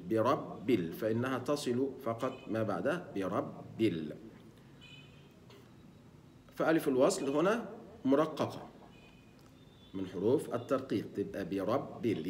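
A man giving a Quran recitation lesson, explaining letter sounds and demonstrating them slowly and repeatedly, asking himself questions as he goes. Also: medium pitch.

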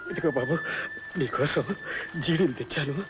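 An actor playing a poor, tender old grandfather who speaks softly and fondly, in a 1960s film. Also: on the high side, moderate pace, close to an everyday voice. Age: older. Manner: soft, fond, weeps with joy. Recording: dull old film soundtrack with music.

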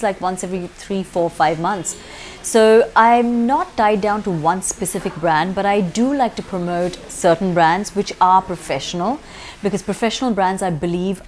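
A woman's voice: fairly low pitch, darkish tone, a little hiss or hum. A woman in her forties, a makeup artist and salon owner, answering interview questions in a chatty way with frequent ums and restarts, recorded on a lapel mic in an indoor studio.

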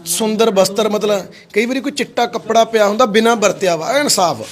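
A man volunteering with a social service group, talking gently and coaxing, with soothing phrases he says again and again. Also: high-pitched, a little fast. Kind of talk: on-location coaxing talk.

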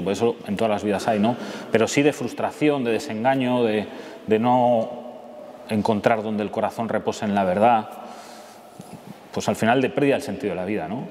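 A man in his early forties with a Castilian Madrid accent, giving an informal personal testimony to an audience in a conversational, halting way. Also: on the low side, a little mellow. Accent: Castilian Spanish from Madrid. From Madrid, Spain. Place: church interior, seated at a table. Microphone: lapel microphone. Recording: echoey church hall, clear background noise.

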